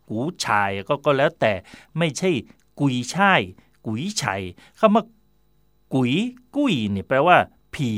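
A man hosting a radio talk slot, chatting in a digressive way about where words come from, with fillers and quick self-corrections. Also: medium pitch, a bit bright, no room sound, studio quality. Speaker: radio host. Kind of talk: explaining word origins in casual talk.

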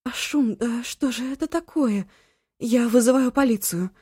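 A woman's voice: fairly high pitch, measured pace, a little mellow, husky, dry recording, clean studio sound, voice pushed up. A woman voicing a frightened, protective eighteen-year-old girl who speaks in anxious, pleading tones.

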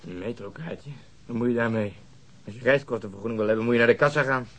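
An actor playing a sceptical, grumbling police detective in a radio drama, blunt and sardonic in manner. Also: male voice, mid-range voice, fast, close to an everyday voice. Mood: irritated, sardonic. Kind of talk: naturalistic Dutch radio drama acting.

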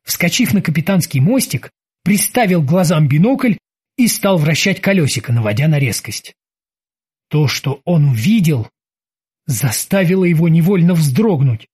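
A man with a husky voice reading an audiobook as an animated storyteller. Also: on the high side, normal speed. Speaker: narrator. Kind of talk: audiobook narration.

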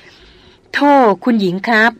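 A woman voicing a calm, protective male hunter who gently soothes and reasons. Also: on the high side, normal speed, no room sound, lightly acted. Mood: soothing.

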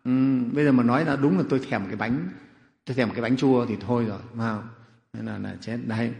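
A man, a Buddhist monk, telling a story in a sermon with lively rhetorical questions. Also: mid-range voice, quick pace, vocal fry. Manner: animated, rhetorical questions, chuckling. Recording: echoey hall.

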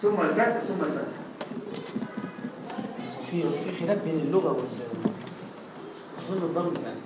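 A Quran recitation teacher with an Egyptian accent, giving a classroom lesson and slowly reciting example words again and again to demonstrate. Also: medium pitch, lively intonation, music in the background. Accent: Egyptian Arabic. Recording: echoey room, voice far from the mic.

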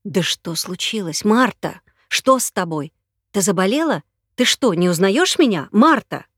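A woman's voice: medium pitch, lively intonation, a little slow, slightly rough, no echo, clean studio sound. A woman voicing a grown man who asks urgent, anxious questions and turns menacing. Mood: worried.

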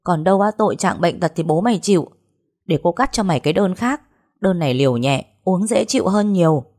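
A sharp-tongued old woman behind a pharmacy counter, as a woman storyteller puts her on, low-voiced and coarse, berating and lecturing without pause. Her lines land hard, her tone full of reproach. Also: lively intonation. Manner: harsh, scolding, coarse. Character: blunt scolding elderly woman pharmacist.

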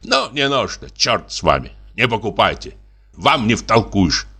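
Male reader doing a blustering older army lieutenant, pushy, tipsy, swooping pitch, bright edge. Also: very animated, a little slow, vocal fry, husky, exaggerated voice. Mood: boasting. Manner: boisterous, wheedling, exclamatory. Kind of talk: audiobook character reading.

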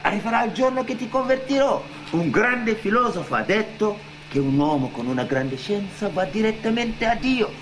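Higher-voiced, earnest philosophical labourer. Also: male voice, expressive, moderate pace, few pauses, a bit bright. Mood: insistent. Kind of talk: radio theatre dialogue. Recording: faint background noise.

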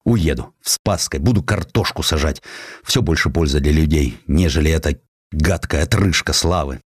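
A man's voice: rumbling low, normal speed, breathy edge, no echo, studio quality. A man voicing a bitter, weary, despairing middle-aged Russian general in an audiobook, plain-spoken and disillusioned. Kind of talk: audiobook character dialogue.

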